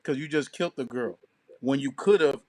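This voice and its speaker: A man's voice: medium pitch, normal speed, a little mellow, rough recording. A man co-hosting a talk show in casual, opinionated discussion, with a slangy and profane way of talking.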